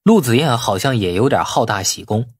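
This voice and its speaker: A man's voice: medium pitch, animated, normal speed, husky, no echo, studio quality. A man narrating an audiobook in a dramatized, scripted storytelling style.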